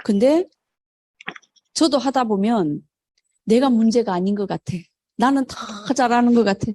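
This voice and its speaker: A woman's voice: on the high side, moderate pace, dark tone, no echo. A middle-aged woman leading a motivational sales seminar, who poses questions to the audience, answers them herself, and acts out quoted phone calls. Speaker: network marketing sales leader.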